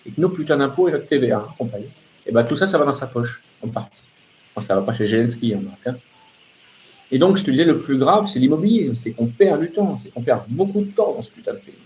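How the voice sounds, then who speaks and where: A man's voice: medium pitch, animated, quick pace, darkish tone, a little hiss or hum, poor audio. A man delivering an off-the-cuff political rant as a live open-line host, sardonic and emphatic, repeating phrases and throwing out rhetorical questions.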